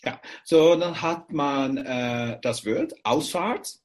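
A man with a Dutch accent works his way through German slowly, pausing with fillers and slipping into English when a word escapes him. His voice is slightly breathy and unhurried. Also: a little high. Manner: halting German mixed with English, searching for words. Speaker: guest. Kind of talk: casual conversation.

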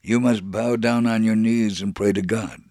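A man's voice: lowish voice, steady tone, moderate pace, a little mellow, no room sound, studio quality, lightly acted. An actor playing a devout, bold elderly Jewish man from Jerusalem in a dramatic reading of his memoir, told earnestly. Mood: bold admonishing.

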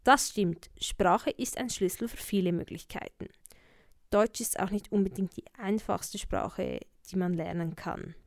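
A woman's voice: mid-range voice, a little slow, no echo. A woman hosting a radio programme, reading scripted narration between guests. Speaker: radio host.

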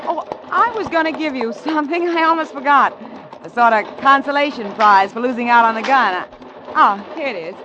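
An actress playing a coy, guarded young saloon singer in an old radio Western. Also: female voice, sits high, moderate pace, close to an everyday voice. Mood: bright, friendly. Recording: dull, noisy old radio recording.

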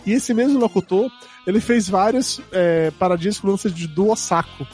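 A hoarse man from Brazil hosting a podcast in a casual, joking chat and laughing at himself. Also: high-pitched, moderate pace, darkish tone, soft background music. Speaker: podcast host.

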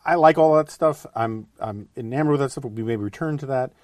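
A man hosting a podcast, chatty and relaxed with many fillers. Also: mid-range voice, fairly quick, crowd noise. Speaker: podcast host. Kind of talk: casual podcast interview.

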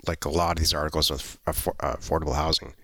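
A man co-hosting a podcast in casual chat, brisk, blunt and self-assured. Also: a bass voice, fairly even intonation, pushed and bright, dry recording. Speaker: podcast co-host.

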